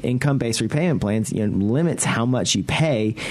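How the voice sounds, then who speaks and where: A man talks at a moderate pace with a medium pitch and lively intonation. Noticeable background noise is audible behind him. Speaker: financial analyst. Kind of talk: radio call-in show. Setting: studio.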